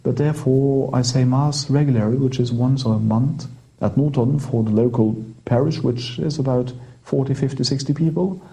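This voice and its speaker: Norwegian-accented priest, mellow voice. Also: male voice, medium pitch, poor audio. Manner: chatty, halting restarts, light laughter. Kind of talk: interview guest explaining history.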